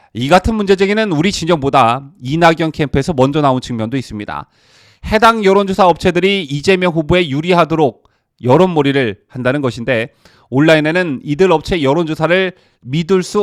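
A man's ordinary speaking voice, fairly high and fairly quick, with lively intonation and a dry, close sound with no echo. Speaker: news anchor. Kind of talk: news reading. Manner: formal.

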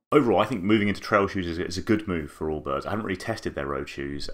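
A man talking at a very fast pace. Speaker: running shoe reviewer. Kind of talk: product review talk to camera. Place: home room. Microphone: phone near.

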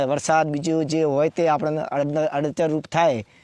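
Here a man speaks at a fairly high pitch. His tone is dark and mellow. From Gujarat, Banaskantha (Deesa). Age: 30s. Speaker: farmer. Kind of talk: interview.

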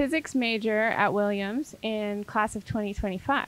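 Recorded with a dry sound and no echo, a woman speaks at a fairly slow pace with ordinary pitch variation. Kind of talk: event introduction speech. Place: street. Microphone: handheld.

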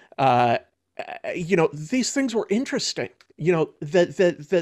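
The setting behind the speaker is quiet. A man talks with lively intonation. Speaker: podcast co-host, art segment presenter. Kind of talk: casual chat about art. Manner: halting, filler-heavy. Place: home room. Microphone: studio mic.

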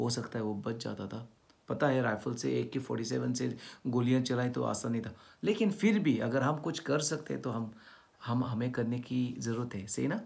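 The voice carries vocal fry, moving at a moderate pace with ordinary pitch variation. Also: man. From India, Goa; India. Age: 50s. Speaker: pastor. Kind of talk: informal sermon / video talk. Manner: halting, repetitive. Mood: sorrowful, earnest. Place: home room. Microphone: phone near.

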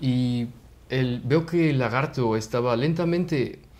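A man with a Mexico City accent, ordinary pitch variation and a fairly slow pace. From Mexico, Mexico City. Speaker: web programmer; guest. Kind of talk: storytelling interview. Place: home room. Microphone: lapel.

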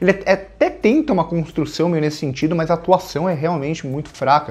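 Man at a fairly high pitch and fairly quick pace. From Brazil. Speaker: film critic. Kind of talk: film review monologue. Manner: conversational, unscripted. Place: home room.

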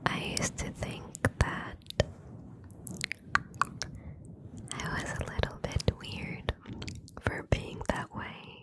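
A soft-spoken woman whispers at a very slow pace with long, frequent pauses, her voice dry with no echo against loud background noise. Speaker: ASMR creator. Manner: close soft ASMR whisper into mic. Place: home room. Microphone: studio mic.

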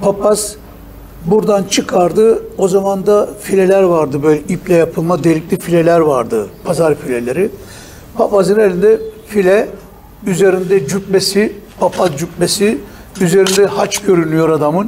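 A man with a high pitch at very even loudness. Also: ordinary pitch variation, moderate pace. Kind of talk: interview answer. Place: cafe.

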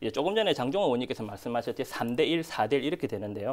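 Lively intonation from a man, with a quiet background behind him. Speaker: party spokesperson. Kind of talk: political talk show discussion. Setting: studio. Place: studio. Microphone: lapel.

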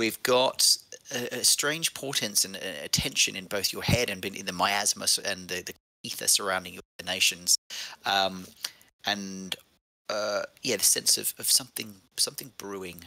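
At a moderate pace, the voice has a bright, sharp tone, ordinary pitch variation, and big swings in loudness. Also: man, fairly low pitch for a man. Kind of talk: game narration and table talk. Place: home room.

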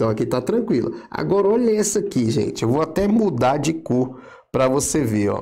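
A man talks at a fairly high pitch and moderate pace, animated in tone with very wide pitch swings. His loudness stays very even, and there is audible room echo. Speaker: online course teacher. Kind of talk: lecture; sales pitch.

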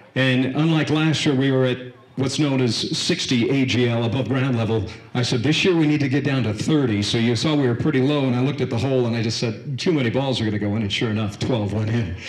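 The speech moves at a fairly quick pace with ordinary pitch variation. Audible room echo is present. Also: man. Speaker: event host. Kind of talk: ceremony address to crowd. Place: open country. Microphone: handheld.

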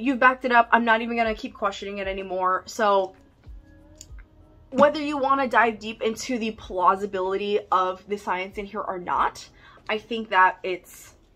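At a moderate pace, a woman speaks with ordinary pitch variation and big swings in loudness while faint music plays behind her. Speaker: book reviewer. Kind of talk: casual vlog chat. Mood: mildly critical, ranty. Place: home room.

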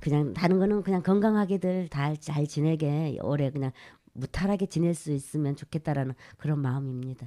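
A woman speaks at a moderate pace in a very deep, low pitch with ordinary pitch variation and a dark, mellow tone. The recording is very clean, with a silent background. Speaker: veteran garment worker. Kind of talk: interview.

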